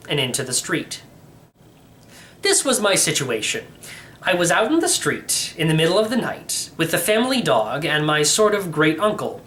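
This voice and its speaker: A man reading a children's novel aloud as expressive first-person narration. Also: fairly high pitch, a little hiss or hum. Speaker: audiobook reader.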